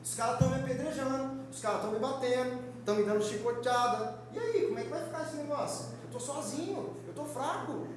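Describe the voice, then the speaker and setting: High-voiced Brazilian young man preaching. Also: quick pace, few pauses, reverberant, crowd noise. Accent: Brazilian Portuguese. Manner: lively, joking, conversational preaching with quoted voices. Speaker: Sunday school teacher. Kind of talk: sermon teaching. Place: church hall.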